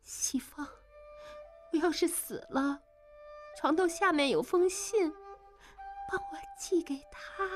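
A woman playing a frail young wife in a storybook drama, her words faint, breathy and slow. She speaks with little strength, soft music behind. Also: very high-pitched. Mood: faint, weak. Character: frail young woman near death in childbirth.

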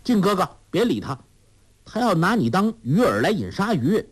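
A man voicing a clever, sharp-tongued young woman in a raised, quick, scolding voice. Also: high-pitched, very animated, breathy edge, pitched above the performer's own voice, heavily acted.

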